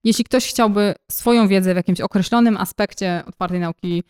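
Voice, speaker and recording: Young woman on a podcast, talks it through slowly, lots of ums. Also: medium pitch, darkish tone, clean tone. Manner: thoughtful, explains at length with many fillers. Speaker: podcast co-host. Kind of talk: casual podcast chat.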